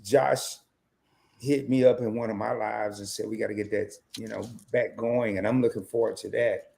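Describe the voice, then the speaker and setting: A man talking casually on a livestream, voice gone hoarse from recording a lot, emphatic and hype-building as he pitches his point. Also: steady tone, normal speed, a little mellow. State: losing his voice. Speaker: channel founder and guest.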